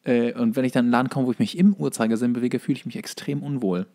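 A man's voice: medium pitch, fairly even intonation, rapid-fire, dark tone. A man co-hosting a podcast, chatting casually with mock-indignant rants and emphatic wording. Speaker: podcast co-host. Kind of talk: casual chat.

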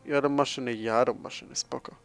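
A man commentating his own strategy gameplay, thinking aloud, addressing viewers and swinging between soft mumbling and sudden loud exclamations. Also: medium pitch, steady tone, fairly quick, gravelly, clear, resonant tone, faint music behind. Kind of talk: casual let's-play commentary.

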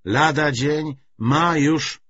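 A man voicing a brisk, wry, self-assured young communist woman in an audiobook novel, talkative with a feigned lightness. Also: fairly high pitch, fairly bright tone, slightly rough, highs cut off, voice pushed up, heavily acted. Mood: wry, eager.

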